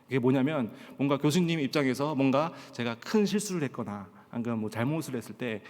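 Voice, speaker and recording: Pastor preaching in a reverberant church. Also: male voice, medium pitch, animated, quick pace, darkish tone. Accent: standard Korean, trained out of Gyeongsang dialect. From Pohang, South Korea. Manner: storytelling with frequent "예" fillers and acted-out quotes. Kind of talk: sermon at a Friday prayer meeting. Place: church sanctuary. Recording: long church-hall reverb.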